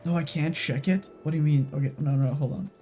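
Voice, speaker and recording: A man's voice: a little high, fast talker, dark tone, soft background music. A man streaming a game live, shaken and stressed, swearing and repeating himself.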